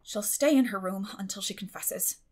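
A strict middle-aged farm woman, put on by a female narrator, stern and suspicious. Her delivery is sharp and clipped, with a creaky edge, as in a classic storybook. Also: medium pitch, normal speed, lightly acted. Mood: grim. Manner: sharp, grim, clipped scolding.

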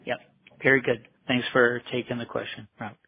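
A man's voice: medium pitch, level tone, moderate pace, gravelly, husky. A man calling into an investor call as a financial analyst, asking questions politely and informally. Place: conference call. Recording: tinny phone line.

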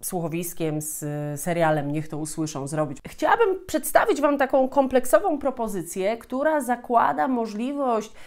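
A woman's voice: fairly high pitch, big pitch swings, moderate pace, hardly any pauses, darkish tone. A woman in her thirties giving an explanatory talk as a teacher, often repeating and rephrasing as she goes. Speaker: host, Polish language teacher. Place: small furnished room at home, indoors.

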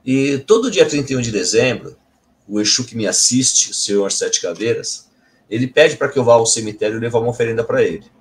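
A man's voice: mid-range voice, expressive, a little fast. Man telling a personal story. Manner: earnest, self-correcting storyteller. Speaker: Umbanda medium and channel host. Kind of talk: personal testimony to viewers.

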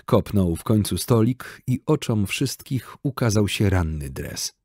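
A man reading an audiobook in steady, measured scripted narration. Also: fairly low pitch, slightly rough, no echo, studio quality.

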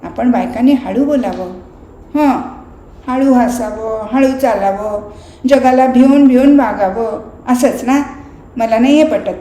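A woman's voice: fairly high pitch, takes it slowly, long pauses, mellow. A woman voicing a spirited young widowed daughter in a read-aloud novel, speaking passionately and defiantly. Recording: roomy recording, faint noise.

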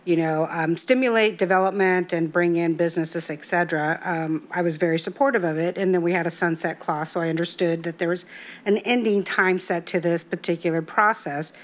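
A middle-aged woman speaking as a city council member in a council chamber, pausing often with ums and restarting her sentences. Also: on the low side, steady tone. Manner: halting, many ums and restarts. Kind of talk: council meeting remarks. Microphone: desk microphone.

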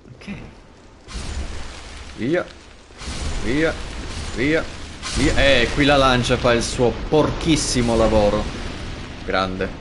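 A man streaming a video game live, commenting with animated, jokey asides and frequent swearing. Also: mid-range voice, takes it slowly, long pauses, background noise.

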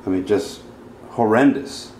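A man's voice: fairly low pitch, a little slow, darkish tone. A man giving a terse, disapproving, off-the-cuff walkthrough narration as a realtor inspecting an empty home. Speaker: realtor filming a property inspection. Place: indoors, empty townhouse rooms. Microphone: handheld camera microphone. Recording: echoey empty rooms, faint background noise.

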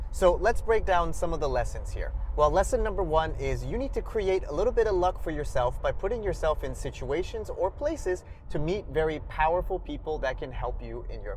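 A young man with a somewhat high voice tells stories in an upbeat, casual way from a car. His voice comes through a lapel mic, with a faint hum of road ambience behind him. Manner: upbeat, gestures while talking. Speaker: career vlogger. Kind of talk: casual storytelling to camera. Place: parked car interior.

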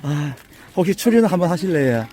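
In a casual walking vlog, an older man who tours local alleys chats and jokes in a folksy, easygoing manner while hiking up a mountain trail outdoors, a little out of breath. He speaks a thick Busan Gyeongsang dialect in a hoarse, slightly raspy voice that is mellow and dark in tone, pitched a little high, with lively intonation and a slightly fast pace.

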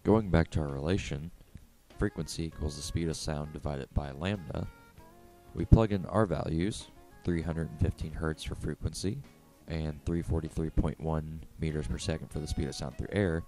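A man's voice: a bass voice, steady tone, normal speed, warm tone, soft background music. A man explaining physics step by step in a scripted educational narration.

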